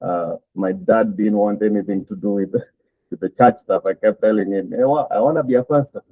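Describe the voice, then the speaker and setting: A middle-aged pastor with a Kenyan accent, telling his story as a guest in a halting way full of "uh" fillers. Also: on the low side, husky, dry recording. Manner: halting, many "uh" fillers, chuckles between thoughts. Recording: tinny phone-like call audio, dry.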